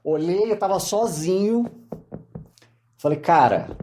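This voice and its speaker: Homem mineiro animado, voz escura. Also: male voice, mid-range voice, moderate pace. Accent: Mineiro Portuguese. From Minas Gerais, Brazil. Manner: animated storyteller, many fillers. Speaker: lawyer, podcast guest. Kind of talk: casual interview conversation.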